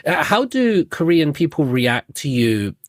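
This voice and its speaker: A man hosting a podcast interview, asking questions in a relaxed, musing and self-deprecating way. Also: a little high, a little slow, dry recording, clean studio sound. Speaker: podcast host.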